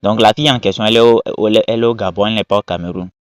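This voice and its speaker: Homme à la voix grave, commentaire moralisateur et insistant, son terne et sec. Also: male voice, lowish voice, fairly even intonation, very fast, no echo. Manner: emphatic, repetitive, moralizing. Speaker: commentator reacting to viral videos. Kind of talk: casual spoken commentary. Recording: dull lo-fi dry sound.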